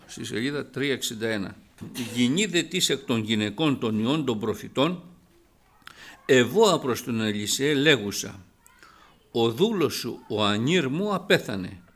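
A man preaching a sermon, lively and rising to loud emphatic passages. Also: medium pitch, gravelly.

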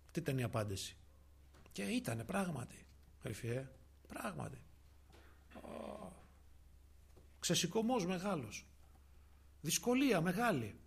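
A man preaching a sermon with fervent delivery that swells to loud, emphatic peaks. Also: high-pitched, big pitch swings, vocal fry, long pauses, slightly rough.

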